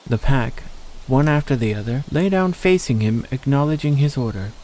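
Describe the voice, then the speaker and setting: A man's voice: mid-range voice, lively intonation, normal speed, darkish tone, rough recording. A man narrating a scripted story in an audio drama.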